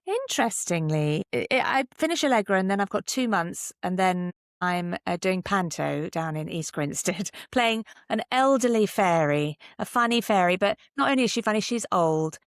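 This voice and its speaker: A British woman answering casually as a podcast guest, animated, candid and self-deprecating. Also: mid-range voice, normal speed, no room sound, studio quality. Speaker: guest, actor and writer.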